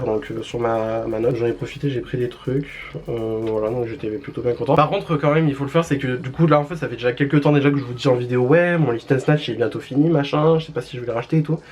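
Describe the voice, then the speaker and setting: A man's voice: medium pitch, darkish tone, slight background noise. Rambling chatty young man. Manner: rambling, chatty, heavy on fillers and restarts; self-mocking, laughs at himself. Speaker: beauty vlogger. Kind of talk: casual get-ready-with-me chat.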